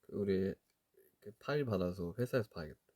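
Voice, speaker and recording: Brief: man about thirty, lowish voice, dry close mic, relaxed livestream chatter that trails off. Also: fairly quick, no room sound. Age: 30s. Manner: musing, trails off, soft laughs. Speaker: livestream host reading chat. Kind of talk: casual livestream chat.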